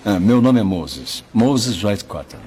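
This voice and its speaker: Low-voiced kindly Brazilian photographer. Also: male voice, big pitch swings, a little slow, mellow, husky, exaggerated voice. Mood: friendly, curious. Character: kindly, earnest male photographer, gently advising. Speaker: dubbing actor. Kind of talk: Brazilian Portuguese film dub.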